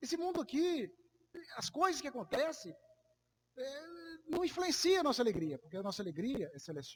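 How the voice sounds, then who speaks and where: A man speaks at an extremely high pitch with very wide pitch swings. His pace is moderate, with long, frequent pauses. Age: 60s. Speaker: preacher. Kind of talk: sermon.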